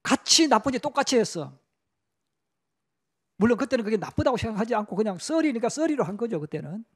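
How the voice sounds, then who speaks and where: A middle-aged Korean pastor preaching in a church, his voice sitting high for a man. He mixes lively storytelling with little acted-out quotes and talks to the congregation like it's a conversation. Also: fast talker, slightly rough. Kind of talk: sermon. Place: church sanctuary.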